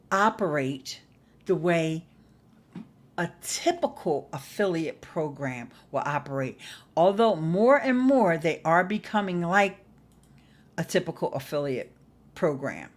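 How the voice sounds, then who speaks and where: A middle-aged woman chatting casually to livestream viewers as host, folksy and playful, leaning on words for emphasis. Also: lowish voice. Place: small indoor home studio. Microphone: desktop microphone close by.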